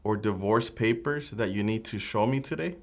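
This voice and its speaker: A man playing an immigration officer in a scripted mock interview, asking formal, measured questions. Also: on the low side, a little mellow, slight background noise.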